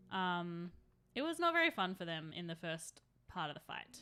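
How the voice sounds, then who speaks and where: With music in the background, a woman speaks at a moderate pace in a relaxed tone. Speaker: streamer, game master. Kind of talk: casual live stream chat. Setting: live stream at home. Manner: chatty, relaxed.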